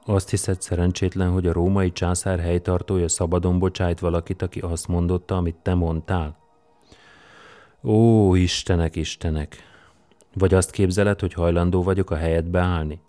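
A man's voice: deep voice, level tone, warm tone, soft background music, natural voice. A man reading an audiobook and voicing a fierce, weary Roman governor who is scornful and commanding. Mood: stern. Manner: scornful and commanding, erupts into roaring rage.

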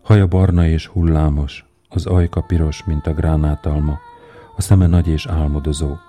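A man narrating a fairy tale in a calm, measured storytelling way. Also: extremely low pitch.

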